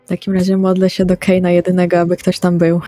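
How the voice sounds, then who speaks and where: A woman playing a tabletop roleplay, casually and deliberately describing things detail by detail. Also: fairly low pitch, completely flat delivery, mellow, dry recording, soft background music.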